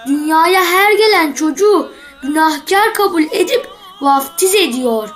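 Cartoon schoolboy: tiny, very high childlike voice, quick-witted, cheeky, confident know-it-all. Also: female voice, expressive, a bit bright, soft background music, full character voice. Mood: earnest, explaining. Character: witty, cheeky schoolboy, pious know-it-all with a ready answer. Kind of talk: scripted comic cartoon dialogue.

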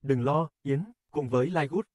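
A man voicing a reassuring, persuasive businessman in scripted animated advert dialogue. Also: mid-range voice, normal speed, no echo, lightly acted. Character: reassuring businessman pitching affiliate scheme in cartoon ad.

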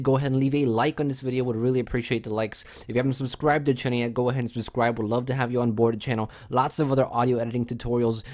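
A man hosting a software tutorial, narrating casually and giving informal step-by-step instructions. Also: medium pitch. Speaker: tutorial host. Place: indoors, voice-over for screen recording.

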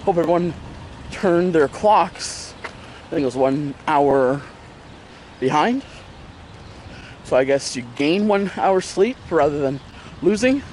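A man's voice: on the high side, animated, slow, pauses often, a little mellow, slight background noise. A man, congested from a cold, rambling casually to a handheld camera as he walks around town. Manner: rambling, chatty, many fillers. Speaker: vlogger. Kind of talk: casual vlog talk to camera. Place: bedroom, outdoors on streets, in a store. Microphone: handheld action camera at arm's length.

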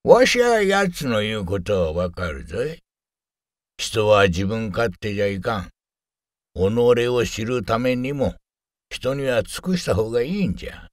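A man's voice: lowish voice, big pitch swings, unhurried, no room sound. A man voicing a kindly, wise old grandfather in a family drama, admonishing in folksy old-man speech. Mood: gently admonishing.

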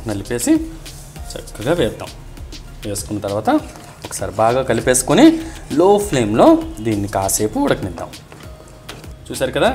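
Man, quick pace, instructional recipe narration, speaking straight to viewers, faint background music. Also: mid-range voice. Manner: instructional, addressing viewers directly. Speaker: host of a cooking channel. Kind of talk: recipe voice-over narration, step by step.

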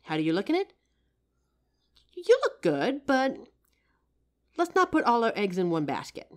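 A woman playing a kind, playful psychic who gently helps a ghost in an audio roleplay. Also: mid-range voice, wildly swooping pitch, measured pace. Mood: helpful, chatty. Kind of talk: audio roleplay addressed to the listener.

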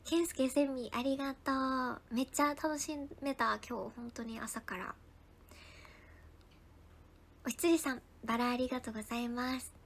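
A young woman chats casually on a livestream, thanking viewers by name and slipping into soft whispered asides. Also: sits high, steady tone, a little fast, hardly any pauses, slight background noise. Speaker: idol livestreamer. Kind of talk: casual livestream chat reading viewer comments.

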